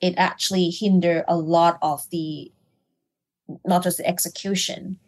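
A woman from Hong Kong, an executive coach, explaining her ideas thoughtfully in a business interview, pausing with fillers and restarting phrases. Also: fairly low pitch, level tone, darkish tone.

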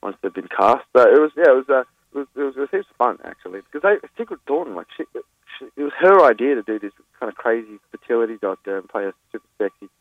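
A man rattles off stories at a brisk clip, stumbling over restarts and laughing as he goes. His voice comes down a thin, tinny phone line. The sound is dry, with no room around it. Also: medium pitch, very animated, dry recording. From Australia. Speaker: guest comedian. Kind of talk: phone interview, anecdotes.

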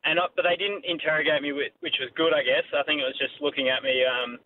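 A man's voice: a little high, fairly even intonation, quick pace. An Australian man calling a radio phone-in, telling a casual anecdote in an easygoing, matey way. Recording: tinny phone line, faint noise.

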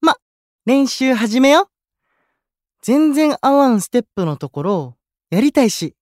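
A friendly young idol, lively intonation. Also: male voice, extremely high pitch, unhurried, no room sound, clean studio sound, full character voice. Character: amiable, polite young male idol junior. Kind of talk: Japanese anime-style audio drama acting.

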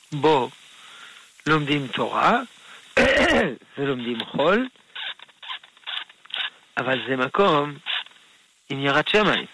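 Gravelly-voiced rabbi answering callers. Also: male voice, a little high, poor audio. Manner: gentle, unhurried, explains patiently with soft laughs. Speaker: rabbi answering listener questions. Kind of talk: radio call-in Q&A.

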